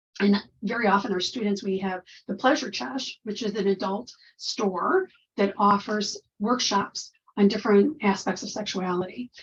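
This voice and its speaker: Medium pitch and a somewhat breathy quality from a woman, with ordinary pitch variation and a moderate pace. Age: 60s. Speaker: counseling professor. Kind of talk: webinar lecture.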